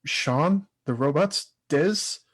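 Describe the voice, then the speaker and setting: A man's voice: on the high side, expressive, extremely slow, heavily acted. A man playing an eager wrestling character in an amateur staged reading of promos.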